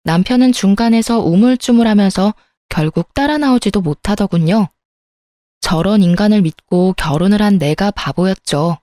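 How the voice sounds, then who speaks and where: A woman narrates a first-person story with an aggrieved, confessional tone. Her voice is mellow and warm rather than bright. The recording is close and dry. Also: mid-range voice, moderate pace, no echo.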